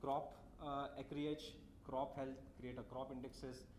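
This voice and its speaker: Against audible room echo, a man speaks in a monotone, flat intonation. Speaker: tech company speaker at conference. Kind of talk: conference presentation. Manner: fast; halting, many fillers.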